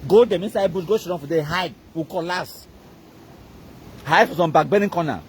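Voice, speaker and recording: High-voiced Cameroonian man ranting. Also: normal speed, a little hiss or hum. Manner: emphatic, repetitive, mixing pidgin and English. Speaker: live-stream commentator. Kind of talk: live-stream rant.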